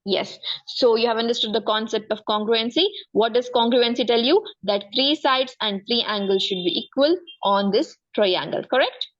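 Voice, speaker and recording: Female maths tutor, South Asian accent, higher-pitched, encouraging, interactive, dull lo-fi recording. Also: moderate pace, hardly any pauses. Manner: encouraging, frequently checking understanding. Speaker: maths teacher.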